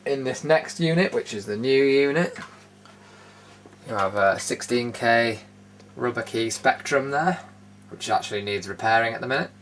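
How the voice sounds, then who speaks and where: In a mid-range, slightly bright voice at normal speed, a British man narrates an unscripted show-and-tell tour from an indoor studio room. As host he's casual, matter-of-fact and drily opinionated, with noticeable background noise in the recording.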